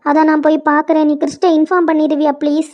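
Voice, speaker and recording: A woman's voice: high voice, flat delivery, racing, natural voice. A woman voicing an anxious young working daughter in a cartoon, speaking in a pleading tone. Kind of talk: cartoon voice acting. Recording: dull lo-fi sound.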